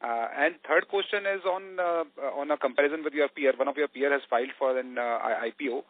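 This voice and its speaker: A man's voice: a little high, fairly quick, dry recording. Hesitant man on a phone line. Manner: hesitant, many fillers. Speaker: analyst asking questions. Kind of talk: earnings call question.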